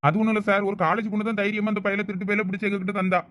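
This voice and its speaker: A man plays a chatty middle-aged police officer in a cartoon, with a Thoothukudi Tamil accent. He speaks very fast and in a high voice, and he explains everything in long stretches. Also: flat delivery, a bit bright. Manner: rapid, chatty, explaining at length. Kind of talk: cartoon voice acting.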